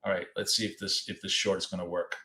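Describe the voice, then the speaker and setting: Guy hosting a live trading stream from home, rambling and repeating himself, voice going, bright edgy tone, echoey room. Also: low voice, level tone, fast. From United States. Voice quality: talkative, repeats himself, loose and chatty. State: losing his voice, coughing. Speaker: trading show host. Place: home office in a city apartment.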